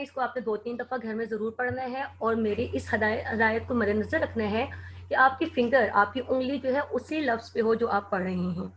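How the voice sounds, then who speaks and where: A woman teaching a children's lesson, spelling words out slowly and clearly letter by letter. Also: a little high, a bit bright, a little hiss or hum.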